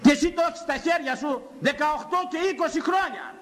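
Older priest preaching with emphatic repetition. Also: male voice, extremely high pitch, lively intonation, fairly bright tone, a little hiss or hum. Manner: emphatic, repeats phrases for effect. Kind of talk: sermon on scripture.

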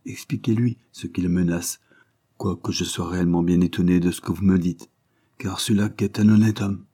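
A man's voice: low-pitched, fairly even intonation, normal speed, warm tone, husky. A man voicing a fat, shifty male jeweler who answers in a hesitant, evasive way. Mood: nervous.

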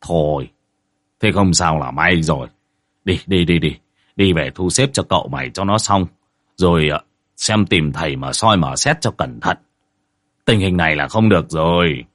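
A gruff, blunt older boat owner, voiced by a male storyteller. His low, husky voice gives orders in short bursts. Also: animated, moderate pace, a bit bright, no echo, studio quality. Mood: weary. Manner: blunt, commanding.

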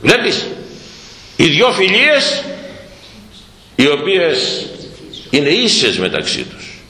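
A man's voice: fairly high pitch, roomy sound, long reverb tail, poor audio. A man preaching a sermon, asking his listeners rhetorical questions and acting out everyday dialogue. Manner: animated, rhetorical questions, acts out imagined dialogue.

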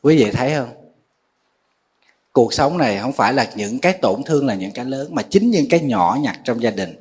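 Một nhà sư giọng Nam Bộ, hơi khàn, giảng pháp thân mật, hay hỏi lại người nghe. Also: male voice, mid-range voice, animated, moderate pace, darkish tone, slightly rough. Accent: Southern Vietnamese. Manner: folksy and conversational, questions the audience often. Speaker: Buddhist monk giving a dharma talk. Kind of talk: sermon.

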